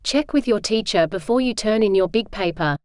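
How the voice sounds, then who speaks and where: A woman reads standalone practice sentences for a dictation exercise. Her voice is smooth and clear at a middling pitch, measured and neutral in delivery. The sound is close and very dry. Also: expressive, no room sound. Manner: measured, neutral, careful enunciation. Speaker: test practice sentence reader. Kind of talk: scripted read-aloud dictation practice.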